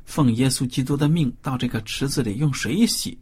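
A man co-hosting a Bible study, reading scripture aloud and discussing it in an animated way with rhetorical questions. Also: mid-range voice, a little fast, breathy edge.

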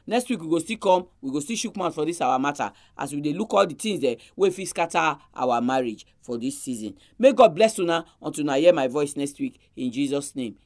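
A woman's voice: sits low, expressive, brisk, few pauses, a little mellow. A woman with a Nigerian Pidgin accent hosts a Christian advice radio programme, speaking in an earnest, exhorting manner.

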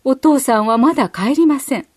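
A woman narrating a children's story in a gentle, measured storytelling manner. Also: high-pitched. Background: faint music.

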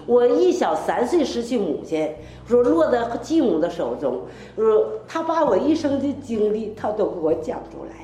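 A woman's voice: on the high side, sing-song, moderate pace, few pauses, warm tone. An older woman gives a heartfelt, rambling personal testimony full of quoted dialogue. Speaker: church member giving testimony. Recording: echoey room, faint music behind.

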